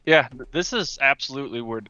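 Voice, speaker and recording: Male game player, casual and tentative narration, bright edge, slightly muffled dry recording. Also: medium pitch, animated, quick pace, dry recording.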